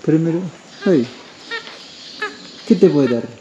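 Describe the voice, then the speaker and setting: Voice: mid-range voice, lively intonation, slow, heavy background noise. A travel vlogger with a Peruvian Spanish accent, chatting casually outdoors and cooing fondly at animals. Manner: coos and exclaims fondly at animals. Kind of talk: casual travel vlog commentary. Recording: dull lo-fi with faint outdoor ambience.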